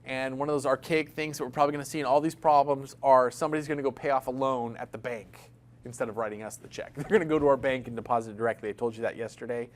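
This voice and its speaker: A man's voice: mid-range voice, fairly even intonation, quick pace. A man teaching an accounting class in a classroom, talking casually, joking and asking his students questions. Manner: chatty, jokey, asks the class questions. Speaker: accounting instructor. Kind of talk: classroom lecture.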